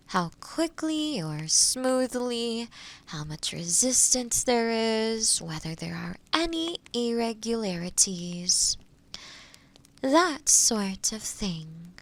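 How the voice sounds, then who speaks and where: A woman playing a kind, skilled witch in an intimate roleplay audio drama, gently reassuring, with soft near-whispers and thoughtful murmurs. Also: mid-range voice.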